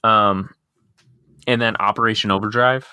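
A man's voice: lowish voice, fairly even intonation, moderate pace, bright, forceful tone, clean tone, no echo. A man co-hosting a podcast in casual chat, rambling with many filler words. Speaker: podcast co-host.

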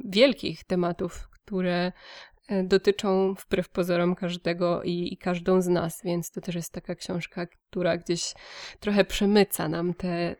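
A woman's voice: lowish voice, darkish tone, no room sound, clean studio sound. A woman co-hosting a book podcast, reviewing books conversationally in a reflective, hesitant way with repeated words.

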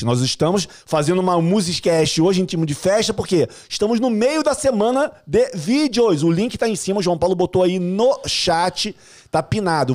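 A man hosting a live stream, slangy and animated. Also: sits high. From Brazil. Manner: slangy and animated, says "cara" and "bicho". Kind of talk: casual live-stream chat.

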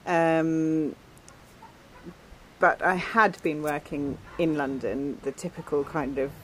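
Hesitant middle-aged interviewee with frequent pauses. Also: mid-range voice, steady tone, fairly bright tone, a little hiss or hum, rough recording. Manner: hesitant, many ums and restarts, laughs lightly. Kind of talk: casual conversational interview.

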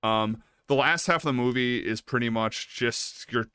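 A man's voice: medium pitch, moderate pace, pushed and bright, clear, resonant tone, dry recording, studio quality. A man chatting casually as a co-host reviewing a film, emphatic and given to repeating words. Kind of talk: casual chat.

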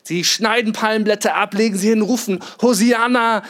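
A man with a rather high voice preaches a sermon. He tells the story vividly, asking his listeners rhetorical questions and acting out the quotes. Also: fairly even intonation, a little fast, fairly bright tone. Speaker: pastor.

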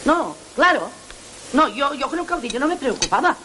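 A bossy old countess. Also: female voice, high voice, sing-song, moderate pace. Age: older. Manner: bossy, teasing. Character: imperious elderly aristocratic countess. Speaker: film actress. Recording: noisy old film soundtrack.

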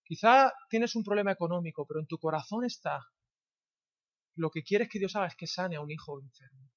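A man's voice: high-pitched, expressive, brisk. A man from preaching a sermon in a church, firing rhetorical questions at the congregation. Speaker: pastor. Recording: dull slightly lo-fi sound.

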